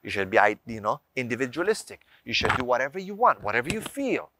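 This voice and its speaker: A man's voice: medium pitch, big pitch swings, fast, background noise. A man giving an informal explanatory talk as a religious advice speaker, teaching emphatically with rhetorical questions and lists of examples. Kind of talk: informal explanatory lecture to viewers.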